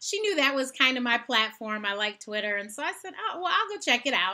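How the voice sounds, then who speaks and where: In an American accent, a woman projects a raised, high-pitched voice with a bright, sharp tone, very wide pitch swings, and a fairly quick pace. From West Indian heritage, Chicago. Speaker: talk show host. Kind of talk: interview. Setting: live stream.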